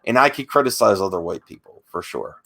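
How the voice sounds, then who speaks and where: Halting, argumentative man in online debate. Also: lowish voice, animated, gravelly, bright, forceful tone. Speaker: debate guest.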